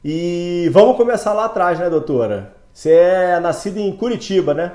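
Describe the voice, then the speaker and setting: A man's voice: sits high, animated, normal speed, darkish tone, reverberant. A Brazilian man who hosts an interview podcast as a doctor, chatty and enthusiastic, full of fillers. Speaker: host, ophthalmologist.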